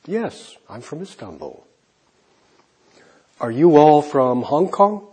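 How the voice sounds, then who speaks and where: A man teaching an English lesson, slowly modelling questions and answers for learners. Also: fairly high pitch, very animated. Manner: modelling example answers clearly, trailing off softly. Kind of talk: slow, deliberate classroom instruction.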